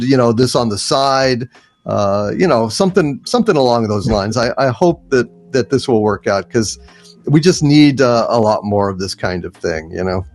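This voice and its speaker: Encouraging man over background music. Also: mid-range voice. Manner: earnest, encouraging. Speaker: panel guest. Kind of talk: casual chat.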